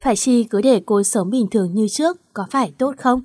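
A woman reading a story aloud in a steady, plain narration. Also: a little high, brisk, no room sound, studio quality. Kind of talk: scripted narration.

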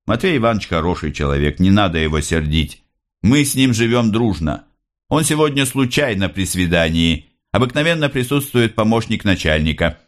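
A man voicing a gentle, restrained young son in prison, speaking softly and quietly. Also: lowish voice, sing-song, moderate pace, pitched above the performer's own voice. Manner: soft and quiet.

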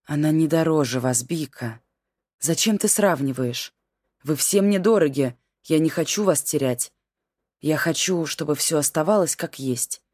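A woman reading as a calm, stubborn middle-aged husband who speaks in a steady, tired and curt manner. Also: sits low, measured pace, no room sound, studio quality. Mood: soothing.

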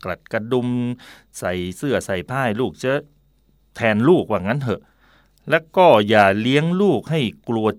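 A middle-aged man from Thailand hosting a radio talk segment. He tells stories with a pitch that swings widely and acts out the voices he quotes. The sound is close and dry, with no room around it. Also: lively intonation, moderate pace, no echo. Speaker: radio host.

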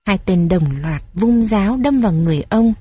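A woman reading children's stories aloud in a gentle, even storytelling manner. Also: mid-range voice, moderate pace, slightly rough, dry recording, clean studio sound.

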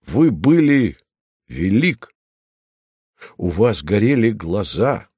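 A man's voice: fairly low pitch, sing-song, slow, a little mellow, husky, no room sound, exaggerated voice. A man reading the part of a patient, matter-of-fact base commander with a dry irony, in an audiobook.

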